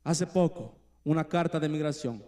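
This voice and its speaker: A man preaching in church, his voice mellow and on the higher side. He lingers on key words and lets phrases fall soft and low to press a point home. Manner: earnest preaching with slow emphatic phrases that drop quiet. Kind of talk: sermon.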